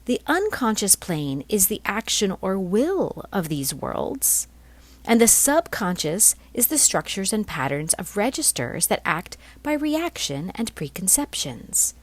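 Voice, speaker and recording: A woman reading a spiritual text aloud as scripted narration, in measured phrases with deliberate pauses. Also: mid-range voice, big pitch swings. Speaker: reader of a spiritual blog.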